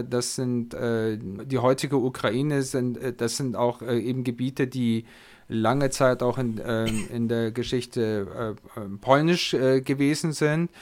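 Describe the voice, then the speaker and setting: A man hosting a relaxed discussion who pauses often and searches for his words as he sums things up. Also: mid-range voice. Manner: halting, searching for words, summarizing. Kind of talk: conversational discussion.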